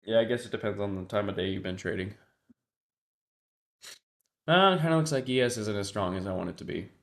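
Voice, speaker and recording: Lowish-voiced guy, stuffy nose, rambling to his stream chat at his desk mic. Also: expressive, a little fast. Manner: thinks aloud, talks to chat, trails off. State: congested, sniffling. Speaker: livestream trader. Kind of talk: casual livestream commentary.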